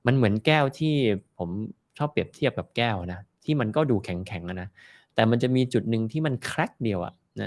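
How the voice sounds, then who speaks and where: A man's voice: on the low side, no echo. A man giving casual market commentary, chatty and explaining with everyday comparisons. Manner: chatty, explains with homely comparisons, ends phrases with soft particles. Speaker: finance commentator.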